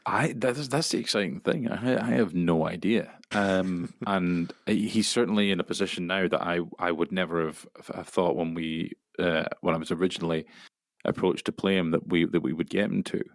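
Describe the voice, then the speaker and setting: Gravelly, low-voiced male actor. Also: moderate pace, no echo, clean studio sound. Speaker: voice actor being interviewed. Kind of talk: casual, reflective interview chat.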